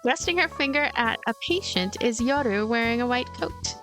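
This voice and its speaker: A woman reading a visual novel aloud and adding her own gentle commentary. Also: on the high side, animated, normal speed. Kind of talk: voiced game narration and commentary. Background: game music.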